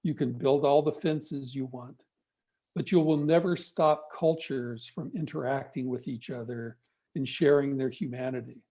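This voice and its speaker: A man giving a measured, storytelling talk over a video call. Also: a little high, dark tone. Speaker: guest speaker. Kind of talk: reflective talk on an online event.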